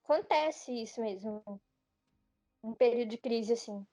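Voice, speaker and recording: A woman's voice: fairly high pitch, normal speed, mellow, no echo. A Brazilian woman talking earnestly on a podcast, repeating phrases for emphasis. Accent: Brazilian Portuguese. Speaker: podcast panelist. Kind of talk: casual podcast discussion. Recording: dry dull lo-fi audio with faint music.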